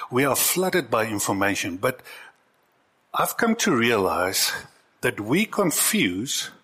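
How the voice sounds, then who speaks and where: A man's voice: medium pitch, bright, forceful tone, husky. A man preaching a conversational sermon to his congregation as pastor. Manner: conversational preaching, shifts into acted quotes.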